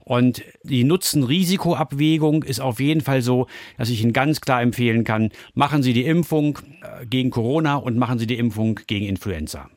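A man's voice: medium pitch, a little fast, few pauses, darkish tone, no room sound. Male physician, mid-range voice, reassuring explainer for medical advice, dry studio sound. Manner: reassuring, explains in simple terms. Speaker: doctor answering callers.

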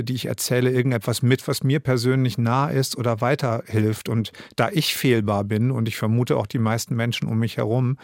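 German guy in his 50s, thinks out loud, lots of ums and restarts, very dry close sound. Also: mid-range voice, no room sound. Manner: thoughtful, many hesitations and restarts. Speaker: radio drama director and author. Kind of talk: interview answers.

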